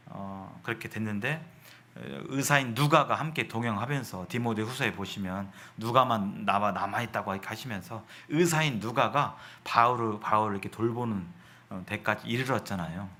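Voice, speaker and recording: A man's voice: fairly low pitch, pushed and bright. A man preaching to a congregation in an explanatory way, often repeating phrases and putting rhetorical questions to his listeners. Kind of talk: sermon to a congregation.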